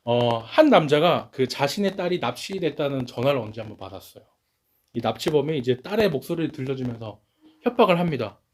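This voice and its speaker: A man preaching a sermon as pastor, telling stories with lively delivery and acting out what people said. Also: mid-range voice, brisk. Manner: lively storytelling, acts out quoted speech.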